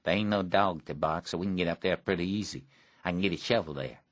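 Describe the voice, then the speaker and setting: A man's voice: deep voice, fast talker, dry recording, close to an everyday voice. A man voicing a neglected, bitter rural teenage boy with a blunt, grim drawl.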